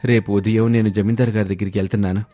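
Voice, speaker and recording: A man playing a scheming village husband who poses as a holy man, smooth-talking and persuasive, in a storybook dialogue. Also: lowish voice, level tone, very fast, dark tone, natural voice. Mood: sly, persuasive. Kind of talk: scripted animated moral-story dialogue. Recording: background music under the voice.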